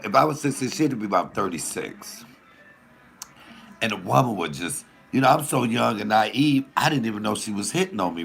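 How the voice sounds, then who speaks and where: A man with a deep voice telling a profane, animated comic story in casual storytelling style, laughing at his own jokes. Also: creaky. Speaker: comedian host.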